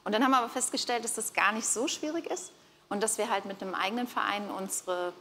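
A woman's voice: mid-range voice, fast talker, fairly bright tone. Woman contestant in a reverberant hall. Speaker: game show contestant. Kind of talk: casual interview answers. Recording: reverberant hall, some background noise.

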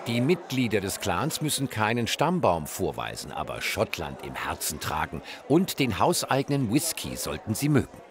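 A man reading a scripted TV news voice-over at a brisk, lively pace. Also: on the low side, crowd noise. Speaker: news reporter. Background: bagpipe music.

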